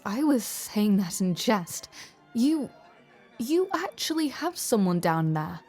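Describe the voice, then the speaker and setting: Slow, halting woman acting a softened ice general. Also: medium pitch. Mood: flustered. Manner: hesitant, halting, breathy half-whispered confiding. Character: icy female war general softened by love, wistful and vulnerable. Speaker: audio roleplay voice actor. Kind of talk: dramatic audio roleplay acting, intimate confiding dialogue.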